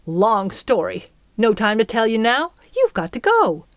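An imperious old fairy from a storybook, acted out by a woman narrator. She is irritable and brusque, snapping out her words in a raised, high pitch. The sound is close and dry. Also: big pitch swings, unhurried, dry recording. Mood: proud, impatient.

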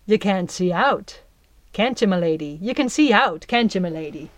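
A woman's voice: mid-range voice, animated, moderate pace, no room sound, close to an everyday voice. A woman doing a scheming young giant, coaxing and theatrical. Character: scheming young male giant, falsely sweet.

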